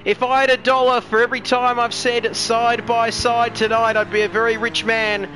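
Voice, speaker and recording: A man's voice: extremely high pitch, flat delivery, normal speed, bright, forceful tone. A man commentating a sim racing live stream, chatty and joking as he reads out viewer comments. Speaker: race commentator.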